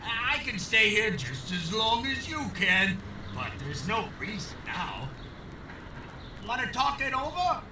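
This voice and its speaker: A man playing a lovesick, cornered small-time gunman in 1940s noir radio drama, excitable, with pleading bluster. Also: sits high, takes it slowly, background noise, full character voice. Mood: nervous bluffing.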